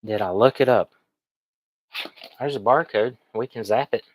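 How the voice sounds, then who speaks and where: A man's voice: mid-range voice, normal speed, no echo. A man with a cold chats in a rambling, folksy way as he shows items to viewers in a casual livestream. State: sniffly, has a cold. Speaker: online reseller streaming.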